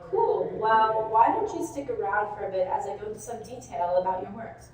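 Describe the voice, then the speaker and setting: A woman's voice: medium pitch, expressive, brisk. A woman acting as an interviewer in a scripted mock interview, asking eager questions and reading narration. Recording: echoey hall from far off, noisy.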